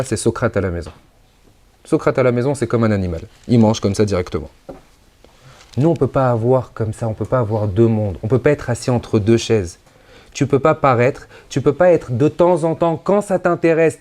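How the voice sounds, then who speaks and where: A man, a rabbi, giving a conference sermon with emphatic rises and drops, mixing Hebrew religious terms into his speech. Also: moderate pace. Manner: emphatic preaching, sudden rises and drops in pitch and loudness.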